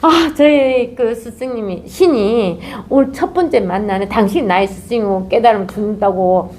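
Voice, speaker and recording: A woman voicing an eager old male devotee, begging in a high, pleading cry. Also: normal speed, a little mellow, a little hiss or hum, close to an everyday voice.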